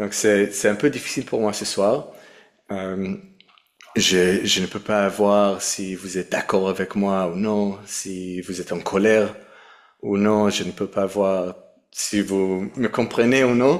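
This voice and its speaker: Very slowly, a man speaks in a fairly low voice with fairly even intonation. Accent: non-native. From Israel and England (Jerusalem, London). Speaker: rabbi. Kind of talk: lecture. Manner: halting.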